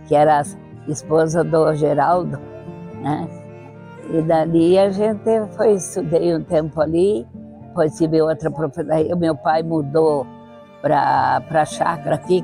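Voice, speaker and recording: A woman's voice: sits low, creaky, dark tone. An eighty-year-old woman with a southern Brazilian accent and Italian as her first language, reminiscing in an interview on a lapel mic. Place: outdoor terrace. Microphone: clip-on lapel mic.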